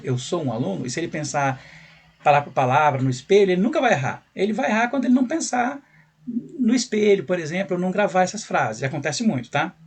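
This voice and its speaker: Husky Brazilian teacher explaining patiently. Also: male voice, sits high. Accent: Brazilian Portuguese. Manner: conversational, rhetorical questions, frequent tag "né". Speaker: English teacher. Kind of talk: explanatory video lesson.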